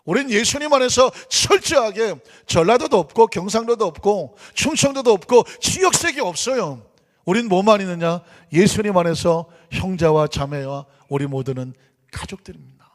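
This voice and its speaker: A man's voice: high voice, animated, normal speed. A man pastor preaching a sermon in a church, putting rhetorical questions to the congregation and answering them himself. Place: church sanctuary. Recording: long church hall reverb.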